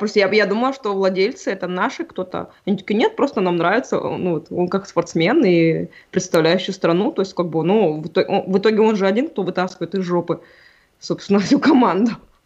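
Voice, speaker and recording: Speaking at a fairly quick pace, a woman with a plain, everyday voice keeps a medium pitch and ordinary pitch variation. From Kazakhstan, Karaganda. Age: 30s. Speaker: writer and journalist. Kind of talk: casual chat.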